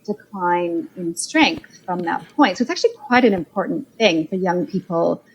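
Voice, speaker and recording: A woman's voice: lowish voice, expressive, normal speed, lo-fi sound, a little hiss or hum. A middle-aged Canadian woman with a Canadian accent, a clinician guest on a podcast, explaining medical research in an earnest, detailed way. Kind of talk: podcast interview over a call.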